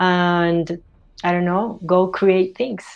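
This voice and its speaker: Very slowly and in a Venezuelan accent, a woman speaks at a medium pitch with monotone, flat intonation. The background is quiet. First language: Spanish. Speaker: graphic designer. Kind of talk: interview. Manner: halting, with repetitions and fillers.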